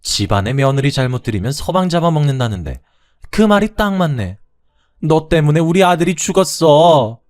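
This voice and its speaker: A man voicing a harsh, scornful older mother-in-law who yells insults, in a radio story. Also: sing-song, moderate pace. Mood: scornful yelling. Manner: shrill, yelling insults.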